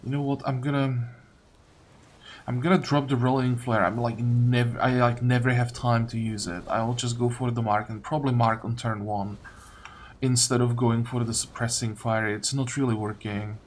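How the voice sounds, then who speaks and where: A man's voice: mid-range voice, flat delivery, normal speed, slight background noise. A man giving casual video game commentary, grumbling and thinking aloud as he plays. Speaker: gaming video host.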